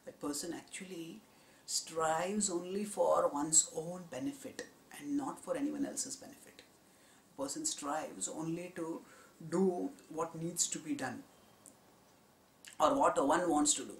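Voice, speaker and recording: A man giving a spiritual discourse on scripture, in a measured, explanatory teaching tone. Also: a little high, creaky, slight background noise. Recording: roomy echo.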